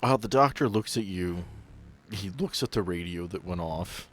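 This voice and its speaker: A man acting as game master, narrating scenes of a tabletop game in a measured way. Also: low voice, faint music behind.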